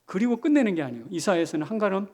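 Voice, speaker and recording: A man's voice: high voice, big pitch swings, rapid-fire, a little mellow. A man, a senior pastor, preaching a sermon emphatically and putting questions to the congregation. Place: church sanctuary.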